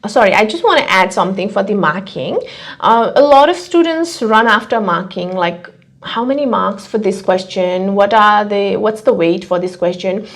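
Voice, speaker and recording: A woman's voice: medium pitch, expressive, moderate pace. A woman teacher co-hosting a casual question-and-answer chat, giving direct advice and putting questions. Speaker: exam prep teacher, co-host.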